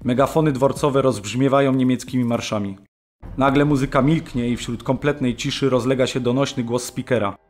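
An earnest male prisoner played by an actor recalls events in a medium-pitched voice. It is scripted radio-drama narration with music behind it. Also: steady tone, a little fast, lightly acted. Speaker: actor reading a prisoner's account.

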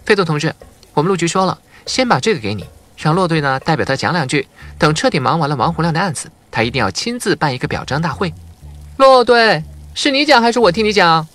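A man's voice: fairly high pitch, sing-song, fast, a bit bright, voice pushed up. A man voicing an enthusiastic male police officer, mock-formal and eager, in an audiobook. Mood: eager, ceremonious. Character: enthusiastic male police colleague, jokingly ceremonious.

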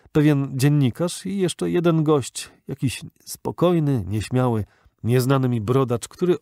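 In a measured, even storytelling manner, a man narrates an audiobook. His voice is mid-range, and the studio recording is clean with no room sound.

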